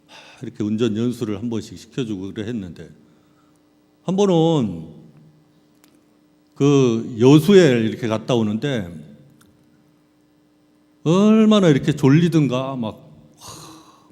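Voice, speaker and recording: A middle-aged male pastor preaching a sermon, telling personal stories in an animated way and acting out scenes. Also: mid-range voice, measured pace, pauses often. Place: large hall at a church camp. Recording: long reverb of a large hall.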